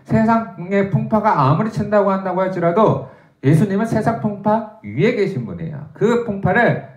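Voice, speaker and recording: A man's voice: high-pitched, lively intonation, moderate pace, echoey room, highs cut off. A man, a pastor, giving a dawn prayer sermon in a conversational way, reading scripture aloud with raised emphasis. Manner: conversational preaching with frequent "예" fillers.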